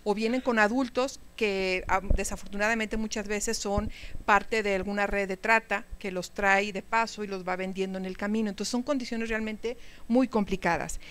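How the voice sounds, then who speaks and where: A woman's voice: mid-range voice, fairly even intonation, normal speed, a bit bright, smooth. A woman giving a live lecture to teachers, talking conversationally and asking the audience questions. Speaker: speaker at a teacher training talk.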